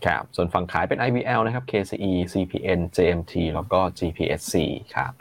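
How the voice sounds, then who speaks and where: A man's voice: deep voice, expressive, quick pace, gravelly. A man co-hosting a casual market talk show, rattling off stock figures and tickers. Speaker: market analyst co-host.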